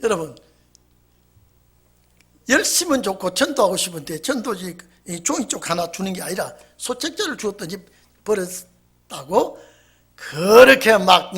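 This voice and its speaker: A male pastor giving a Friday evening sermon, telling stories and shifting dramatically between loud and soft. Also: high-pitched, breathy edge. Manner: animated, storytelling, dramatic swings in volume.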